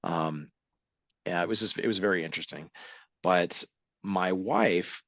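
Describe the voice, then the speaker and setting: A man's voice: low-pitched, measured pace, fairly bright tone, no room sound. A middle-aged man with a mixed American, English and Irish accent, telling his story in a casual interview, rambling and correcting himself with wry humor. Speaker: interview guest. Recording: dull dry sound.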